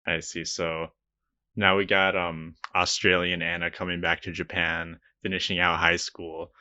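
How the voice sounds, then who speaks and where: A man's voice: deep voice, flat delivery, unhurried, sharp tone, no echo, dull audio. A man co-hosting a casual podcast interview, asking easygoing questions and laughing often. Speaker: podcast co-host.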